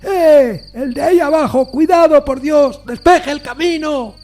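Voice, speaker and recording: A man playing a distraught, deferential Victorian train driver who recounts a fatal accident in a halting, pleading way. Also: extremely high pitch, darkish tone, voice pushed up. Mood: frantic shouting.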